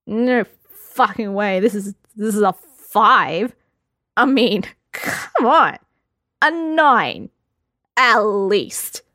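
A woman voicing a rowdy, drunk young male witcher who taunts his friends loudly and crudely. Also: medium pitch, lively intonation, extremely slow, long pauses, no room sound, clean studio sound, heavily acted. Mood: drunk jeering. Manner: loud, slurred, crude taunting.

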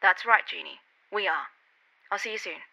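A woman's voice: medium pitch, moderate pace, bright, forceful tone. A woman voicing a worried, protective middle-aged father who talks in clipped, urgent lines. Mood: reassuring. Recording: dull lo-fi recording.

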